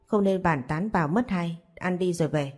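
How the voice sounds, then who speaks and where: A woman voicing a stern, quick-tempered young father who scolds curtly, in a storybook reading. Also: lowish voice, darkish tone, lightly acted. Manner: curt, scolding.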